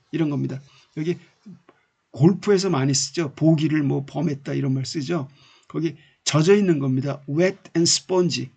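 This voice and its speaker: Male lecturer, slightly high husky voice, slow careful reading then explanation. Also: a little mellow. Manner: reads English lines slowly, then explains in Korean. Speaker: English literature teacher.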